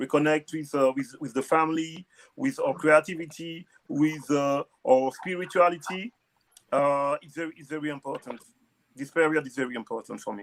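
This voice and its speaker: A man speaks with a French accent in a fairly high pitch. His loudness swings widely, and the sound is dry and close with no echo. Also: ordinary pitch variation, moderate pace. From Brussels, Belgium, Congolese parents. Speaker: rapper and activist. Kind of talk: casual panel discussion. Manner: halting, repeating words.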